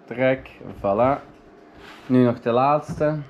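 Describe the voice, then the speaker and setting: A man in his thirties with a Flemish accent, chatting casually to his vlog camera in halting phrases. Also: mid-range voice, steady tone, highs cut off, slight background noise. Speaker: vlogger. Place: indoors at home, rooms and bathroom. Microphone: camera at arm's length or a few steps.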